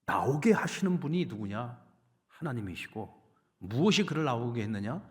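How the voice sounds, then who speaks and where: A male pastor giving an emphatic, animated sermon. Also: a little high. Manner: emphatic, animated preaching with acted quotes.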